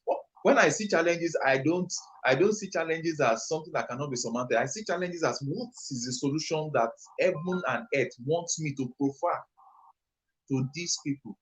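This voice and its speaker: A man's voice: a little high, moderate pace, fairly bright tone, rough recording. A man with a Nigerian accent, an entrepreneur answering an interview question on a live stream, talking in a passionate, emphatic, rambling way. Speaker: entrepreneur and youth trainer, guest.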